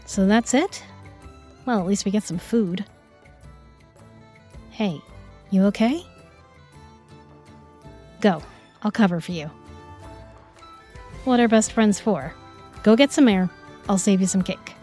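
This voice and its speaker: A woman's voice: medium pitch, slow, long pauses, warm tone, soft background music, natural voice. A woman playing a sarcastic, outspoken young best friend with a casual manner in a fantasy audio drama. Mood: reassuring, friendly.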